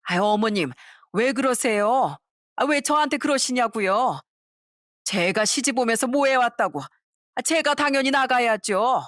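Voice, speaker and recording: A woman's voice: fairly high pitch, animated, measured pace, a bit bright, no room sound, studio quality, voice pushed up. A woman playing a whining greedy mother-in-law. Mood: indignant. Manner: wailing, whiny.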